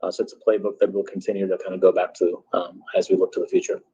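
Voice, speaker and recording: Husky low-voiced man talking quickly. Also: level tone, dark tone. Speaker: company executive. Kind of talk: unscripted earnings call answer. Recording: muffled, band-limited conference call audio.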